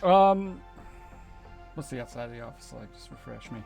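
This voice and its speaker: A man's voice: medium pitch, animated, normal speed, creaky, darkish tone. A man playing a tabletop game, casually improvising a description, with music behind him.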